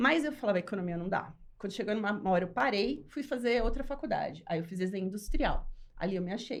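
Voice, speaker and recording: At a very fast pace, a woman with a medium pitch talks with lively intonation. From São Paulo, Brazil. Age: 40s. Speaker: craft entrepreneur. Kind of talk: interview. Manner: talkative.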